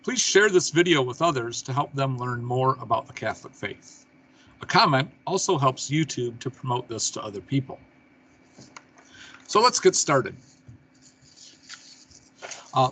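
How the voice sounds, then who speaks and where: A man with a husky, slightly rough voice hosts an interview show. He delivers prepared announcements and casual questions in a conversational way at a middling pitch. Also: a bit bright, low-quality recording. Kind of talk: scripted show intro and casual interview talk.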